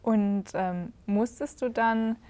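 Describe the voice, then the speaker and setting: A woman interviewing a guest, asking questions clearly and encouraging her with frequent short agreements. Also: a little high, fairly even intonation, slow, warm tone. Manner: encouraging, frequent back-channel "mhm".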